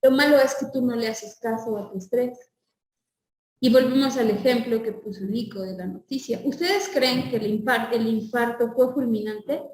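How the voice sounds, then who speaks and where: High-voiced teacher in an echoey room. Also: female voice, moderate pace, recorded from a distance, slight background noise. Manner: asks the class questions and answers them herself. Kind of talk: online class lecture.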